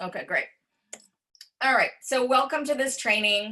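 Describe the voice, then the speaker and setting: This woman's voice has a bright, sharp tone. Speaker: business coach. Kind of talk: webinar presentation. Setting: online webinar.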